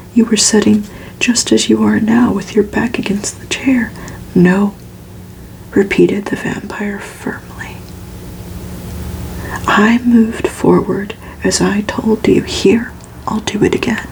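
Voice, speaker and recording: A woman reading a story aloud in a hushed, unhurried, soothing ASMR whisper, as if for relaxation. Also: medium pitch, vocal fry, poor audio. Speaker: ASMR reader.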